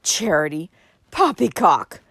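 An outraged, domineering older uncle out of a storybook, acted by a woman narrator, snorting and growling his scorn. The pitch swings widely as he blusters, and the recording is dry and close. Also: sing-song, moderate pace, dry recording, natural voice.

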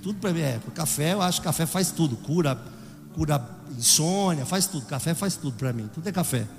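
A man preaching a sermon with a Brazilian Portuguese accent, swinging from loud exclamations to hushed storytelling. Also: on the high side, expressive, brisk, big-room sound, faint music behind.

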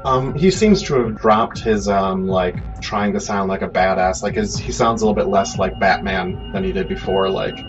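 Deep male voice, game master, halting scene-setting, casual tabletop narration, prominent music bed. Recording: dull audio under loud music.

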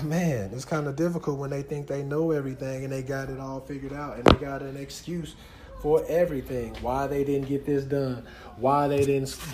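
A man in his thirties, a father and podcast host, venting in a rambling, earnest way and talking straight to his listeners. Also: mid-range voice. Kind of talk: casual venting monologue. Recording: noisy background.

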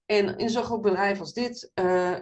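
A middle-aged woman surgeon and professor, answering interview questions in an animated, storytelling way with many restarts. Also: medium pitch, a little slow, lo-fi sound, a little hiss or hum. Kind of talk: interview in front of an audience.

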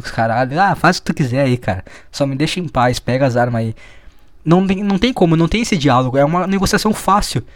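A man's voice: on the high side, no room sound, studio quality. Profane man ranting. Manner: profane, rambling, sardonic. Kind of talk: casual monologue.

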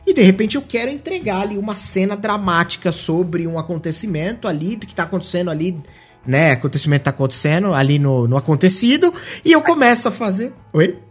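A man with a Brazilian accent, co-hosting a podcast in an animated, joking, self-deprecating way. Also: sits high, brisk, husky, faint music behind. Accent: Brazilian Portuguese. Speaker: podcast co-host. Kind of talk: casual chat about tabletop games.

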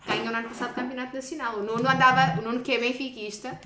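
A high-pitched female voice with a European Portuguese accent, chatting in a casual, animated way. The room rings with echo, and there is clear background noise with kitchen clatter. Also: rapid-fire. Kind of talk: casual chat.

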